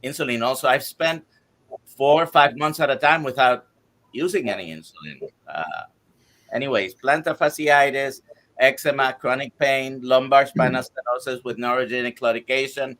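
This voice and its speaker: A man in his sixties, a guest doctor, telling his own health story on a live stream in a halting way, with many fillers, listing items one by one. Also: mid-range voice, fairly bright tone. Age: 60s. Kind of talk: casual testimony on a live stream.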